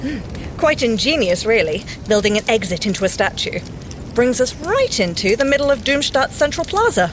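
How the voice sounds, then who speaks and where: An actress playing a brisk, cheerful, sensible young female secret agent scientist with a British accent and a dry, precise, teasing manner in an audio drama. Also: on the high side, big pitch swings, noisy background. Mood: dry, observant. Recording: music under the voice.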